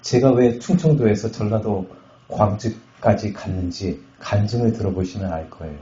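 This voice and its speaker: A middle-aged man from Chungcheong Province, a pastor giving a testimony sermon at a revival meeting, telling his story with jokes and loud bursts. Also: on the low side, moderate pace. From Chungcheong Province, Korea. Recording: echoey hall, slightly muffled sound.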